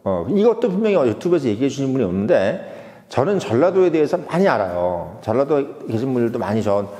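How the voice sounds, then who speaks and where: Male YouTube commentator, quick talker, warm low-bright tone, casual monologue. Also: long reverb tail. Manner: animated, with rhetorical "huh?" asides and repeated words.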